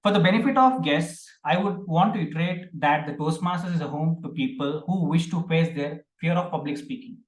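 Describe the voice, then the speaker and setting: A man with a fairly high voice chairs a club meeting over a video call. He welcomes guests in a friendly way with many small fillers. His sound is echoey, as if in a bare room. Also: a little fast, hardly any pauses. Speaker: presiding officer of an online speaking club.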